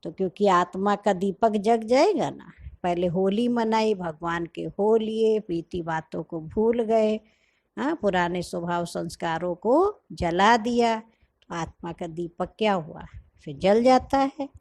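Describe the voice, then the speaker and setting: Woman slowly explaining a spiritual lesson, gentle and patient, middle pitch. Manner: gentle, explanatory, quotes the teacher then comments. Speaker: spiritual teacher. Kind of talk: sermon explaining a scripture reading.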